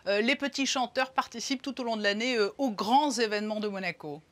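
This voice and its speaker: Polite measured studio interviewer. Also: mid-range voice.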